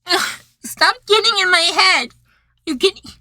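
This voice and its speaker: A high, softly pleading young boywife, acted by a man in an intimate roleplay. He is anxious, submissive and defensive of his life, speaking hesitantly. The sound is bright and very dry. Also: unhurried, no room sound, heavily acted. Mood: distressed, pleading. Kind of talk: roleplay ASMR acting.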